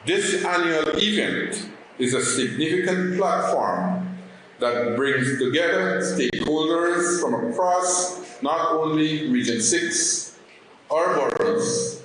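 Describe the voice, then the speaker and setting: A man giving a formal speech at an event, with slow, deliberate delivery. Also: on the high side, expressive, a bit bright. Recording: very echoey room, faint noise.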